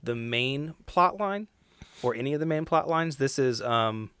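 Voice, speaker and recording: A man's voice: mid-range voice, expressive, unhurried, fairly bright tone, smooth, no echo. A man chatting casually as a podcast host and tabletop player, friendly and upbeat.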